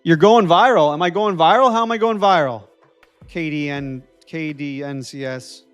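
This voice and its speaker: A man's voice: on the high side, normal speed, clean tone, faint music behind. A young man from New Jersey hosting a live stream, thinking aloud as he codes and answering viewers in casual chat.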